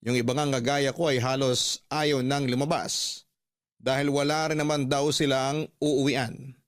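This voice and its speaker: A man's voice: medium pitch, measured pace, close to an everyday voice. A man narrating as a reflective ex-convict father. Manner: steady, reflective first-person storytelling. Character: ex-prisoner father narrating his own letter. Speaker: narrator of a letter. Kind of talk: scripted radio drama narration.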